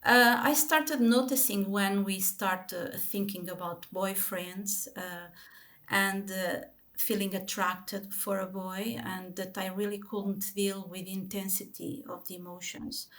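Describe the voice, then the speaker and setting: Woman, Portuguese accent, unhurried pace, halting with lots of ums, interview guest. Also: medium pitch, fairly even intonation, a bit bright. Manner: hesitant, many ums and restarts. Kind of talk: personal life story in an interview.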